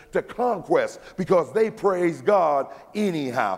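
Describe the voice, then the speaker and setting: Against noticeable background noise, a man uses lively intonation at a very slow pace. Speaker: pastor. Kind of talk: sermon. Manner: animated.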